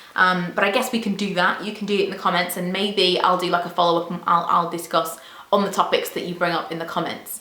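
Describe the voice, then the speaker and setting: In a very fast, flat monotone, a woman speaks at medium pitch, with audible room echo and noticeable background noise. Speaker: beauty vlogger. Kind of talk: casual chat.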